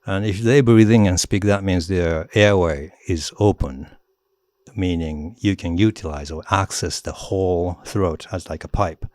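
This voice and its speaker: Japanese-accented man with a low, deep voice. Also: a little slow, no echo, studio quality. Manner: animated, demonstrates voices, laughs often. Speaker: author, guest. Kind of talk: casual interview talk.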